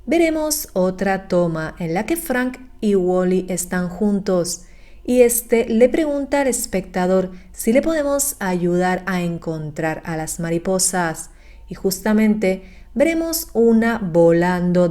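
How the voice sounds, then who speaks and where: A woman delivering scripted narration for a horror recap, in a measured, explanatory manner. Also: on the low side, lively intonation, mellow.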